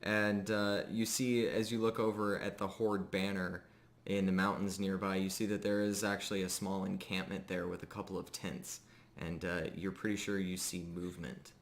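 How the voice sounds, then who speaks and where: A man narrating a tabletop fantasy game as game master, improvising descriptions in a measured way with pauses. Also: low-pitched, level tone.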